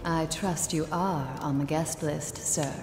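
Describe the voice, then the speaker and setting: A woman's voice: low-pitched, fairly even intonation, a little slow. A woman playing a decadent aristocratic hostess in a video game, languid, grand and condescending. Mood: gracious, haughty. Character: haughty, decadent female aristocratic party hostess. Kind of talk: video game character dialogue. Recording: echoey room, music behind.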